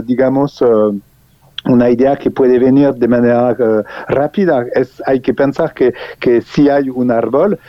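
A man answers in halting, speech, pausing often and restarting his words. The recording is dry and dull, with little room and a lo-fi tone. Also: medium pitch, dry recording. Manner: hesitant, many restarts and fillers. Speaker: guest researcher. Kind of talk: unscripted interview answers.

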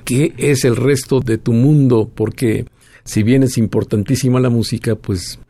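A man hosting an interview, asking measured questions with small hesitations. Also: mid-range voice, fairly even intonation, warm tone. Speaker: radio host.

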